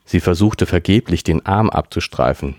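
A man reads a youth novel aloud in a very low voice, stumbling now and then and going back to fix it. The recording is close and dry with no room sound. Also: normal speed, a little mellow, dry recording. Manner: unpolished reading, stumbles and corrects himself. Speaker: reader, podcast host.

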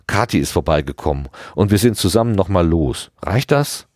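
A man reading aloud and voicing an angry, defensive young man in a raised, sharp tone. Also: low voice, expressive, normal speed, dry recording, studio quality.

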